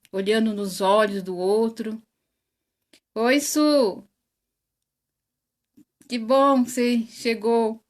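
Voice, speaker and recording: A woman with a Brazilian Portuguese accent hosting an online study livestream, chatting casually, greeting viewers one by one by name and laughing often. She says her voice is very loud. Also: medium pitch. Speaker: host of an online spiritist study.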